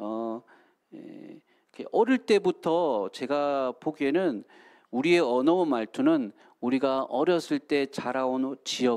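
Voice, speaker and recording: A man's fairly high voice at a very slow pace, with lively intonation, big swings in loudness and a dry, close sound with no echo. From Gyeongsang, South Korea (Pohang, North Gyeongsang; then Busan). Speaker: pastor. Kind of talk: sermon. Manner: hesitant with many fillers.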